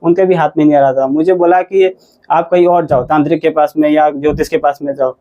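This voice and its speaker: A young man in his twenties talks through his story as a patient in a casual interview. His voice sits a little high and stays flat in pitch, and his sentences wander and restart. The recording sounds dull and lo-fi. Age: 20s. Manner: rambling, halting, with frequent restarts. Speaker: patient giving a testimonial.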